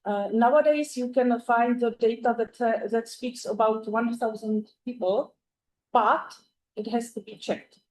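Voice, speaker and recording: A woman with a Czech accent, a native Czech speaker, giving an academic conference talk in English, with many "uh" pauses and careful phrasing. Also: on the high side, fairly even intonation, a little mellow, poor audio. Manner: frequent "uh" fillers, careful non-native phrasing. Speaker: conference presenter.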